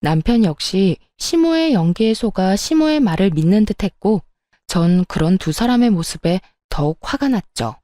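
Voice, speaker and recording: A woman's voice: medium pitch, lively intonation, normal speed, warm tone, no echo. Woman narrating a story. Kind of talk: first-person story narration.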